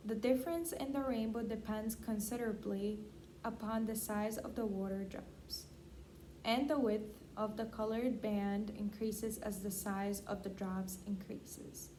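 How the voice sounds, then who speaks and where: A woman with a mellow, mid-pitched voice responds and reads as a client in an assessment. Her delivery is plain, and a little noise sits behind her. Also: low-quality recording. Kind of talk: short answers and reading a passage aloud.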